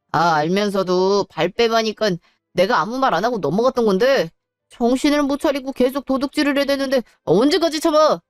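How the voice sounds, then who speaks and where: A woman's voice: on the high side, dry recording, studio quality, lightly acted. A woman doing a furious, accusing young husband. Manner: angry, accusing. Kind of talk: audio drama acting.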